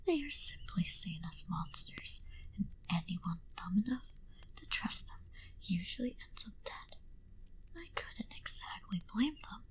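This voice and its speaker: A woman voicing a proud, menacing vampire in a whispered ASMR roleplay, speaking deliberately and condescendingly into a close binaural mic. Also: mid-range voice, sing-song, rough recording. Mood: wistful, cold. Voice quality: breathy, hushed whisper. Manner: slow, deliberate, coolly condescending to the listener. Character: proud, menacing female vampire recounting her past. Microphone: close binaural microphone.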